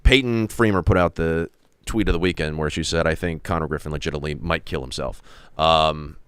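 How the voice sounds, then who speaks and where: A man's voice: very deep voice, fairly quick, clean tone, dry recording. A man co-hosting a sports podcast in laid-back, wry casual chat. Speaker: podcast co-host.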